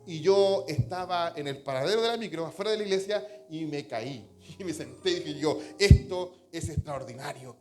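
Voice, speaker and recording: A man's voice: on the high side, expressive, normal speed, darkish tone, soft background music. A man with a Chilean accent preaching a sermon as pastor, earnest and storytelling, often calling listeners brother. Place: church.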